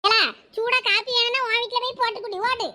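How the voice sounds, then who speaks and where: A woman's voice: very high voice, fairly even intonation, a little fast, sharp tone. A woman voicing a blunt, scolding village housewife. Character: gruff village housewife, sharp-tongued.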